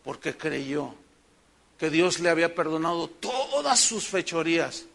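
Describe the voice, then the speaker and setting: Mexican pastor preaching, fires off questions, high bright voice. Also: male voice, measured pace, vocal fry. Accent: Mexican Spanish. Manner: emphatic rhetorical questions, animated storytelling. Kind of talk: sermon.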